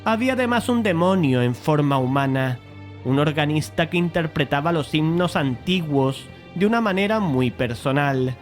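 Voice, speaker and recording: Casting: male actor as skeptical painter-narrator, fairly high male voice, measured and gently chiding, faint music underneath. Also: animated, close to an everyday voice. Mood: narrating. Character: skeptical, paternal male painter telling his own strange story. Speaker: narrator and main character. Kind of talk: dramatized audiobook narration and dialogue.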